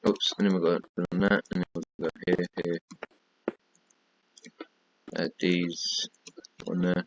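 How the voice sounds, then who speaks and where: Tired low-voiced man narrating a build. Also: level tone, slow pace, gravelly, lo-fi sound, slight background noise. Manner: chatty, repetitive counting and pointing while building. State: tired, losing his voice. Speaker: gaming tutorial creator. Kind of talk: casual build tutorial commentary.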